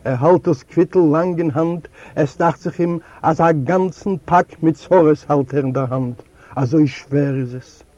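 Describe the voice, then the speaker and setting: Man, native Yiddish speaker, audiobook narrator, mellow dark tone, dry dull lo-fi recording. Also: fairly high pitch, a little slow, no echo. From Eastern Europe. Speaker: audiobook reader.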